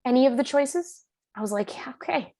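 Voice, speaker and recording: A woman author being interviewed, speaking in an animated, emphatic and informal storytelling way. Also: sits high, fairly quick, no room sound, clean studio sound. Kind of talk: conversational storytelling in a public talk.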